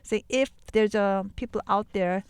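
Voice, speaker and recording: A woman's voice: medium pitch, unhurried, clean tone, no room sound. A South Korean woman with a Korean accent hosting a radio interview and interpreting for listeners, a native Korean speaker. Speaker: radio host.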